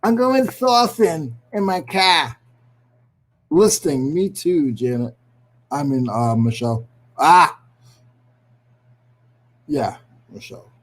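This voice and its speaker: Unhurried man with a New England accent. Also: on the high side, expressive. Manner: chatty, greets viewers by name, self-deprecating jokes. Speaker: livestream host. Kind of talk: casual livestream chat.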